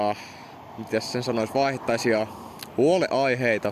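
Over noticeable background noise, a man talks at a fairly slow pace, his medium pitch held in fairly even intonation. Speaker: solo podcaster. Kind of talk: casual monologue. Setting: outdoors by a motorway. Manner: halting.

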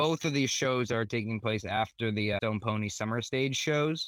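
A man with a normal speaking voice and an American accent speaks at a fairly low pitch with ordinary pitch variation, in a dry, close sound with no echo on a very clean recording with a silent background. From New Jersey, US (East Brunswick). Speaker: rock singer-songwriter and music teacher. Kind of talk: casual interview.

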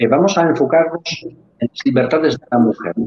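Speaking in a Polish accent, a man keeps a moderate pace. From Poland. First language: Polish (speaking Spanish). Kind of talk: interview.

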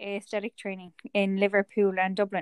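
A woman at medium pitch is heard with a dry, close sound and no echo. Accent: Irish. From rural Ireland. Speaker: fitness model. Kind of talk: interview.

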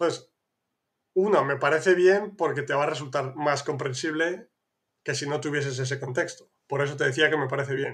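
A man with a north-central Spanish accent speaks in a fairly high pitch with fairly even intonation. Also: moderate pace. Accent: northern-central Peninsular Spanish. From Castilla y León, Spain. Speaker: language learning podcaster. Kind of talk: live Q&A stream.

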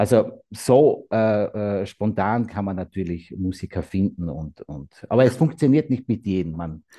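A man with a fairly low pitch and a dark, mellow tone speaks at a fairly slow pace with lively intonation over a quiet background. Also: big swings in loudness. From Austria, Carinthia. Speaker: jazz accordionist. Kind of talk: interview. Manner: halting, many fillers.

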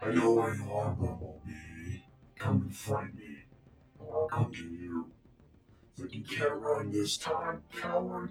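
A man's put-on character voice, fairly low in pitch, with very wide pitch swings, a fairly slow pace, and long, frequent pauses. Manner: menacing, taunting.

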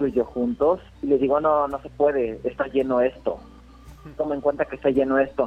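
The speaker has a central Mexican accent and fairly even intonation. Music plays in the background. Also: man. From Mexico, Querétaro. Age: 20s. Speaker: DJ. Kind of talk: casual chat.

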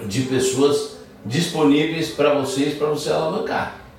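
A man with a fairly high voice talks rather slowly, with noticeable background noise and an audible room echo. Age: 60s. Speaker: investor and businessman. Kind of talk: podcast interview. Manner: halting, with frequent repetitions.

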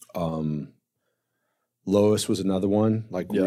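A man speaks with a Californian accent in a dark, mellow tone. The recording is very clean, with a silent background. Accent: General American (Californian). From Southern California. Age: 50s. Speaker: hospitality entrepreneur, event producer. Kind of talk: casual interview conversation.

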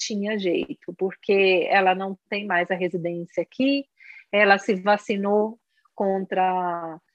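A woman speaks at a very slow pace, her voice sounding dry and close with no echo. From Brazil, Goiás. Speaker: emergency nurse. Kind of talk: personal testimony. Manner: halting, many restarts.

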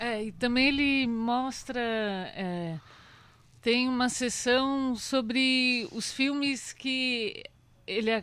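A woman speaks at a very slow pace and a high pitch. Her pitch variation is ordinary. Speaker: film festival curator. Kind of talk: casual chat.

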